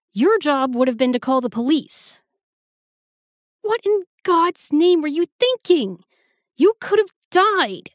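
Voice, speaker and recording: A woman playing a guilt-ridden, protective girlfriend in an intimate audio roleplay, speaking haltingly and emotionally in a breathy, husky voice. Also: high-pitched, dry recording, clean studio sound, full character voice. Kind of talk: intimate audio roleplay acting, spoken to the listener.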